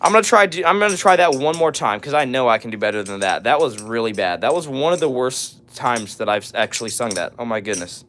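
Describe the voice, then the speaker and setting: A raspy young man hosting a live stream, reading viewer messages aloud and answering them in casual talk with lots of "all right" and "uh". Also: mid-range voice, animated, fast talker, few pauses, a bit bright, a little hiss or hum. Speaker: livestream host.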